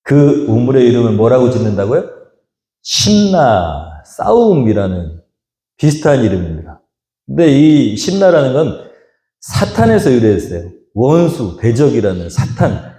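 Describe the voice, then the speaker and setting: Animated male pastor in an echoing hall. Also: medium pitch, a little slow. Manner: animated, quizzes the congregation with questions. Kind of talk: sermon. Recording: echoey church hall reverb.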